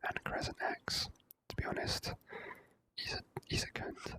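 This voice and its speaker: Hushed whispered ASMR gamer. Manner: hushed, unhurried, relaxed. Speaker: video game streamer. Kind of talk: whispered ASMR let's play commentary.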